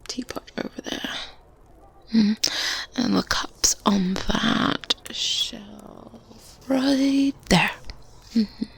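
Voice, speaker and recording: Here the woman's kindly old witch sounds gentle and cautioning, her fairly high, mostly whispered voice soft and breathy and heavily acted. She takes her time in this ASMR roleplay, pensive and gentle, humming and pausing softly. A faint noise bed and medieval ambience fill the background.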